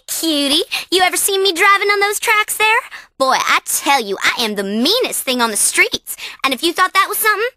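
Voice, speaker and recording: A woman's voice: extremely high pitch, pushed and bright, dry recording, studio quality, exaggerated voice. A woman voicing a flirty, boastful animal race driver in a video game, with a Southern US accent and a folksy, brash, teasing manner.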